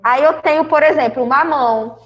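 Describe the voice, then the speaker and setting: At a normal speed and with a high voice, a Brazilian Portuguese teacher leads a grammar lesson, her words carrying the sound of a big room. Speaking with a Brazilian Portuguese accent, she breaks things down step by step and often checks in with her students.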